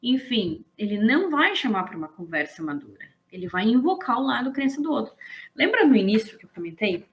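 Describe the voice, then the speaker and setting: A woman, explaining ideas in a casual, animated lesson and checking in with her listeners. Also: fairly high pitch, brisk. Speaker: business management instructor.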